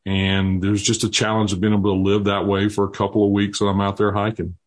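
A man's voice: lowish voice, monotone, fairly quick. Earnest fifties man telling stories. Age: 50s. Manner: earnest, with frequent restarts and repeated words. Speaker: guest. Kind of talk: interview storytelling.

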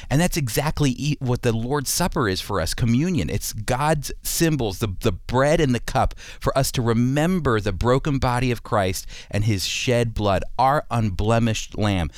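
A man's voice: medium pitch, dry recording, clean studio sound. A man hosting a Christian radio program, speaking in an earnest, explanatory way as a Bible teacher. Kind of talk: radio ministry talk. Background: music.

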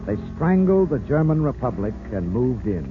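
A man's voice: mid-range voice, sing-song, normal speed, phone-quality sound, close to an everyday voice. An actor playing a grave, impassioned male narrator in a 1940s radio drama, solemn and declamatory, on an old recording. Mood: grave, ominous. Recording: old 1940s radio recording, band-limited, music behind.

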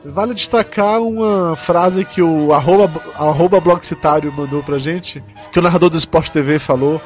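A man's voice: on the high side, normal speed, faint music behind. A man with a Brazilian accent hosting a casual podcast in an informal, joking way, swearing freely. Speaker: podcast host.

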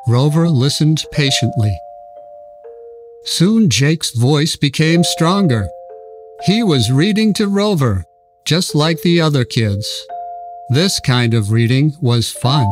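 Slow, calm male storybook narrator. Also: medium pitch. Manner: calm, measured reading.

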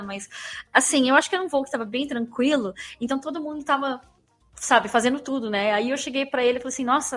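A Brazilian woman hosting a casual podcast chat, telling stories in a chatty, animated way. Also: sits high. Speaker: podcast host. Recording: music playing behind the voice. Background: background music.

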